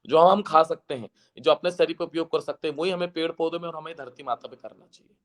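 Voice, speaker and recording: A guest speaker delivers an earnest devotional lecture to a seated audience, slowing into a chant whenever he recites verses. His voice is on the high side and a little hoarse.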